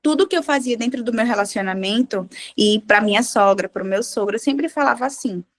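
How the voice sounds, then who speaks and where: A woman who has a child shares her testimony in a relaxed devotional chat among women. Her voice is high and bright, and she speaks briskly. She tells her stories animatedly and acts out the dialogue as she goes.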